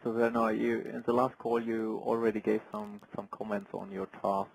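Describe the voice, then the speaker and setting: Analyst guy on a call, lowish voice, pretty flat, halting as he asks stuff. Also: vocal fry, breathy edge, dry recording, poor audio. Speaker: financial analyst asking questions. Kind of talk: formal question on a business conference call. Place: telephone conference call.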